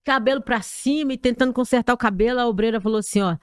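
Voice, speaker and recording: A woman's voice: on the high side, fast, clean tone, no room sound, clean studio sound. A woman pastor with a Brazilian accent giving a dramatic personal testimony as a podcast guest, telling it vividly with sound effects. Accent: Brazilian Portuguese. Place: podcast studio.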